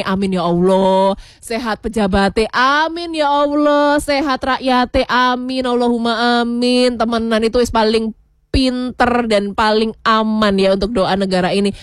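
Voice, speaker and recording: High-pitched lady hosting morning radio, chatty, laughs a lot, dry close studio sound. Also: steady tone, normal speed, no room sound. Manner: chatty, laughs often, mixes in regional words. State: voice worn from shouting. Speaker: radio host. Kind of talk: casual morning radio chat.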